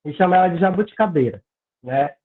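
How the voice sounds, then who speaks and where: Speaking fast in a high, lively voice, a young man from Pará, Brazil, walks through his graduate research in an academic discussion over video. He is earnest but occasionally trips over words, and the sound has a tinny, phone-like quality.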